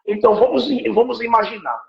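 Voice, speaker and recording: A man in his forties delivers a patient teaching talk in a high voice. He keeps checking that his listener follows. The recording is a roomy, echoing live stream with a dull, lo-fi sound. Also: lively intonation, quick pace, creaky. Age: 40s. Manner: explanatory, keeps checking with "right?". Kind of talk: teaching talk on spiritual warfare.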